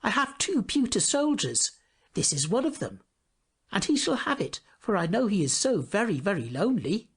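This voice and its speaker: A man's voice: high-pitched, very animated, moderate pace, fairly bright tone, husky, pitched above the performer's own voice, full character voice. A man voicing an earnest, polite and kind-hearted little boy in a storybook reading. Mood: earnest, eager.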